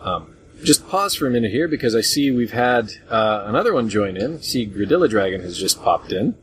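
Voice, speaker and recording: A man hosting a casual group discussion about retro games in a rambling, hesitant way, on a low-grade voice chat recording. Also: expressive, a little fast, slight background noise. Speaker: podcast host.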